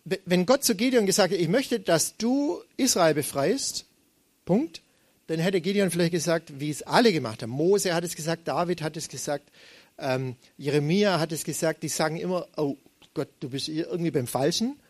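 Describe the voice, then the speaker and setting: A young man delivers a sermon in a chatty, animated way, often slipping into quoted voices. His voice sits a bit high for a man. The recording is dry and close, with almost no room sound. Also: moderate pace, no echo. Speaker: preacher.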